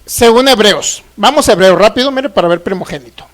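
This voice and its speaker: A man from Mexico preaching a sermon, reading scripture aloud slowly and often checking that the congregation understands. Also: high-pitched, animated. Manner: asks the congregation frequent check questions. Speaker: pastor. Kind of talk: sermon, Bible teaching.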